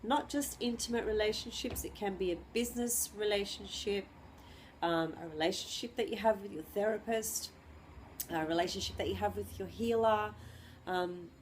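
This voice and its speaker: A woman astrologer with the flu giving an unscripted lesson, clearing her throat and pausing often with ums and restarts. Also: medium pitch, slight background noise. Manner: hesitant, many ums and restarts.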